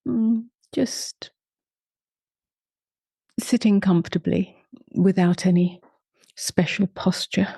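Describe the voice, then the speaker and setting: A woman leading a guided meditation in a soft, unhurried voice that often drops to a half-whisper. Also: lowish voice, vocal fry, husky, no room sound. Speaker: meditation teacher.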